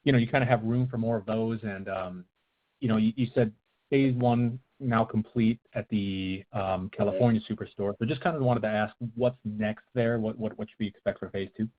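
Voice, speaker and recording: Analyst guy phoning in questions, kinda low voice, hesitant, tinny line. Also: fairly even intonation, normal speed. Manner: tentative, hesitant, circling phrasing. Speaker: financial analyst asking questions. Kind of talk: unscripted call questions. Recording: narrow, tinny phone line.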